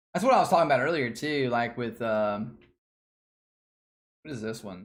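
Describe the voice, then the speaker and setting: A man with a Southern US accent, pausing long and often amid audible room echo. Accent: southern twang. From Tennessee, Nashville. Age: 30s. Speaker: stock streamer. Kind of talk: live stream chat. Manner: casual, animated.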